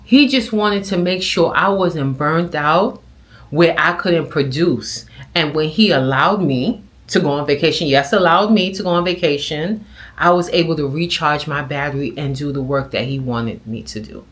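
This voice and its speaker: A middle-aged woman vlogger giving casual reaction commentary, telling stories in an animated way with acted-out quotes. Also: sits low, moderate pace.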